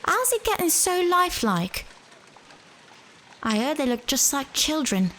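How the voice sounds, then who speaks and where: A woman's voice: high voice, sing-song, a little slow, fairly bright tone, slight background noise, exaggerated voice. A woman playing a brash, cheeky young street girl with blunt, slangy speech in an audio drama. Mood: curious, blunt.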